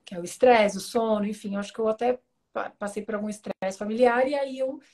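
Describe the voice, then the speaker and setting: High-voiced Brazilian woman, candid and humorous. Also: fairly quick. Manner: candid, humorous, lively storytelling. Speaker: guest, author. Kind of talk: casual interview chat.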